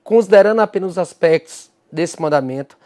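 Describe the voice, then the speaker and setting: A man with a Brazilian Portuguese accent, his voice sitting fairly high for a man, lecturing in an exam-prep lesson. He walks through each point with emphasis and keeps posing questions to an imagined student that he then answers himself. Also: lively intonation, fairly quick, mellow. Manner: emphatic, explains step by step. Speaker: teacher.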